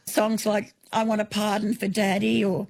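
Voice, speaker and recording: An Australian woman in her sixties speaks as a radio guest at a middle pitch. She recalls her childhood in a storytelling way, piling up vivid lists of details and restarting now and then. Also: little pitch movement, normal speed, vocal fry, darkish tone. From New South Wales, Australia. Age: 60s. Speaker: author and guest. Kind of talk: radio interview.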